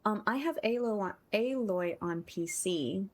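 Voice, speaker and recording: This content creator livestreams a game, gushing to viewers in a relaxed way and thanking them again and again. Her mid-range voice is expressive and slow-paced, and music plays beneath it.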